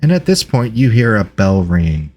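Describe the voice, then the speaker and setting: A man narrating a tabletop game as game master, improvising scenes in measured phrases with pauses. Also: on the low side, big pitch swings, darkish tone.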